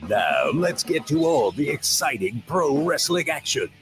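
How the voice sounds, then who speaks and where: A man reading a radio show intro as announcer, in a measured voice. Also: sing-song. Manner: deep, measured announcer delivery. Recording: intro over background music.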